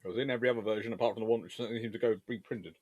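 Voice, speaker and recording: A man's voice: fairly low pitch, steady tone, very fast, a little mellow, no room sound, highs cut off. A man hosting an informal history Q&A, talking in a discursive, emphatic way as he reasons through debates. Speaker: naval history video host. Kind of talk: informal explainer and viewer Q&A.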